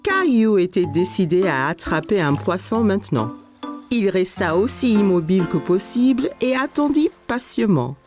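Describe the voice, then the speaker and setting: A woman's voice: medium pitch, lively intonation, normal speed, music in the background. A woman narrator reading scripted story narration for a French children's cartoon.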